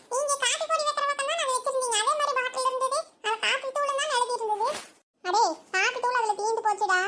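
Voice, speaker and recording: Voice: extremely high pitch, pushed and bright. A voice actor playing a scolding village mother in a comedy cartoon. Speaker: cartoon character.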